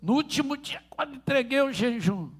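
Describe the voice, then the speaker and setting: A pastor with a Rio de Janeiro accent preaching a fervent sermon and telling stories. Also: male voice, very high voice, animated, normal speed, slightly rough, faint music behind. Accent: Rio de Janeiro Portuguese.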